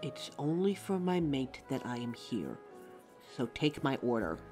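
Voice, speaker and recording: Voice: medium pitch, very animated, measured pace, music in the background. A performer playing a caring, anxious young werewolf partner in a roleplay audio drama, tender and fussing, stammering when flustered. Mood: hostile.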